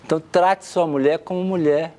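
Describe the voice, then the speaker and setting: Brief: Brazilian man, 50s, family counselor on a studio talk show; animated, plays out little scenes in different voices. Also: a little high, moderate pace. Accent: Brazilian Portuguese. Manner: lively, acts out spouses' quotes.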